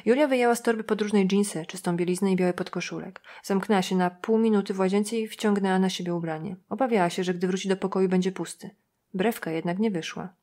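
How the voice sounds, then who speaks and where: A woman narrating an audiobook in an even, measured reading. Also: medium pitch. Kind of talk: scripted narration.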